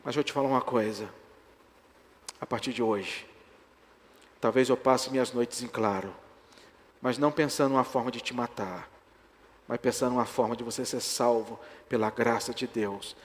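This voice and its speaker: A man's voice: mid-range voice, moderate pace, pauses often, voice pushed down, close to an everyday voice. A pastor voicing a tearful forgiving man. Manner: quiet, earnest. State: crying. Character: grown man about to be baptized, tearful and forgiving. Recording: reverberant church hall.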